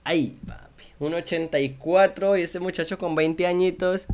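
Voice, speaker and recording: A man's voice: high voice, normal speed. A young man with a Colombian accent hosting a casual interview over a video call, chatty and often repeating words as he searches for them. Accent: Colombian Spanish. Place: small room at home. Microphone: headset.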